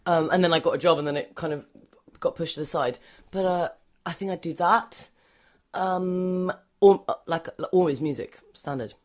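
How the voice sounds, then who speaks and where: A woman's voice: lowish voice, normal speed. A woman, an actress, chatting as a podcast guest. She rambles, stops and restarts her sentences, and laughs easily. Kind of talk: casual interview chat.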